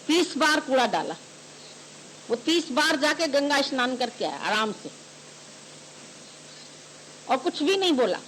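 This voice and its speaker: A man's voice: very high voice, a bit bright, slight background noise, rough recording. A male spiritual teacher gives a devotional sermon, telling homely stories and chiding listeners with rhetorical questions.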